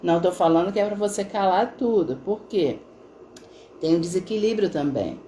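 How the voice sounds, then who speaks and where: A woman's voice: fairly low pitch, lively intonation, normal speed, dark tone, a little hiss or hum. A middle-aged woman therapist talking casually on a live stream, telling stories with frequent tag questions. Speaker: integrative therapist.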